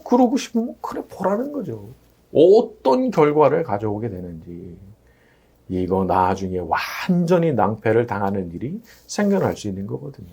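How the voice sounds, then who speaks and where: Guy pastor giving a sunday sermon, kinda husky, voice jumps up and down a lot. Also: lowish voice. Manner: animated, rises and drops sharply, asks rhetorical "어?".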